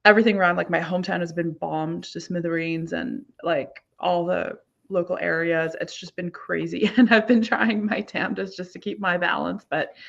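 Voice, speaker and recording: A woman's voice: lowish voice, creaky. A woman from Ukraine hosting a live online tarot reading, chatty with many fillers. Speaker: host. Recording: dull lo-fi sound.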